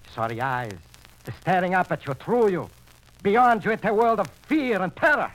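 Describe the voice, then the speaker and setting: A man's voice: medium pitch, fast, fairly bright tone, close to an everyday voice, poor audio. A man playing a superstitious, agitated gangster with urgent, melodramatic 1940s radio acting on a vintage recording. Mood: frantic, impassioned. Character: agitated, superstitious male gangster, fearful and insistent.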